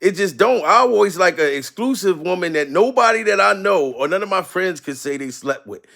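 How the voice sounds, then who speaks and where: A man's voice: high-pitched, lively intonation, a little fast, gravelly, fairly bright tone. A man in his forties giving loose, profane reaction commentary, laughing often and asking "you know what I mean" again and again. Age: 40s.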